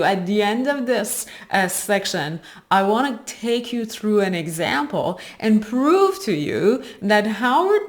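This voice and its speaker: A woman hosting an explainer video, presenting in a didactic way and stressing key words. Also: mid-range voice. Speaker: host of an investing video channel.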